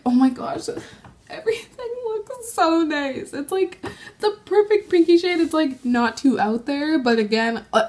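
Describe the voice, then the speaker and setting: Young woman, excitable beauty vlogger, gasping and gushing, slightly high voice, camera mic. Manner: gushing, excitable, lots of gasps and exclamations. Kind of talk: casual makeup swatching vlog.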